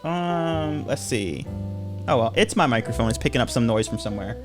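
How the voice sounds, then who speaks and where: A man's voice: mid-range voice, expressive, moderate pace, over music. A man co-hosting a podcast in casual chat, laughing often and reading tweets aloud with playful emphasis. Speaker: podcast co-host.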